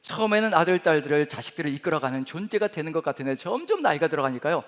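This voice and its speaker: A man's voice: on the high side, big pitch swings, rapid-fire, fairly bright tone. A man in his fifties with a Gyeongsang Korean accent, preaching a sermon as pastor in a church sanctuary, earnest and emphatic, speaking God's promises tenderly. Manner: earnest, rising to emphatic declarations, voicing God's words tenderly. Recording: reverberant church hall.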